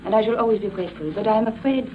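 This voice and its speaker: Woman doing a soft-spoken girl, formal and demure, muffled old radio. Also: mid-range voice, very fast, slight background noise, lightly acted. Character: young French woman, actress posing as heiress. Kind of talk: 1950s radio drama.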